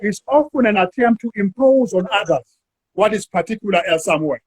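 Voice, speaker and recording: Man, South African accent, academic, measured, slow stretches, high, husky, dry sound. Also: lively intonation, no echo. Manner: measured, stretches words while thinking. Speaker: university academic. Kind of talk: academic discussion.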